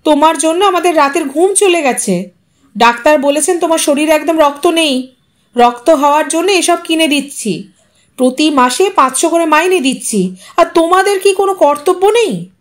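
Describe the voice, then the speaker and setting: A woman voicing a sharp, bossy, anxious wife who scolds and demands in an audio story. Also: high voice, lively intonation, normal speed, pitched above the performer's own voice. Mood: scolding.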